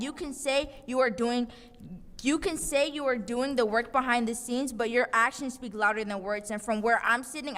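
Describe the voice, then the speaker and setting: A young woman speaks at a city council meeting, her comments impassioned and accusing. Her voice sits fairly high. It rings with the long reverb of a council chamber. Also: a bit bright. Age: young adult. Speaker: public commenter. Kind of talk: prepared public comment.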